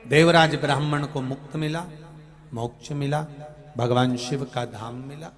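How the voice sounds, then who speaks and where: A man from Madhya Pradesh giving a devotional Hindu sermon, moving between sung verses and emphatic preaching that swings from loud outbursts to soft asides. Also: medium pitch, fairly even intonation, unhurried, faint music behind. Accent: Madhya Pradesh Hindi. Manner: sings bhajan lines, then preaches with emphatic rising outbursts and soft drops. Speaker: kathavachak preacher.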